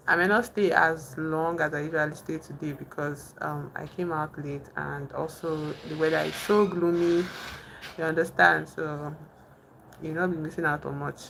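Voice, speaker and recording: Low, gravelly Nigerian woman chatting on a live stream. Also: a bit bright, slight background noise, poor audio. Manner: chatty, thinks aloud with many fillers and restarts, reads viewers' comments. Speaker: livestream host. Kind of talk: casual live-stream chat and commentary.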